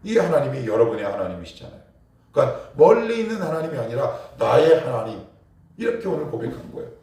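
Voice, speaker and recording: A pastor giving an emphatic sermon at a morning prayer service, often asking the congregation questions and prompting them to answer. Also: male voice, medium pitch, big pitch swings, quick pace, a little mellow. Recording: very echoey church from far off.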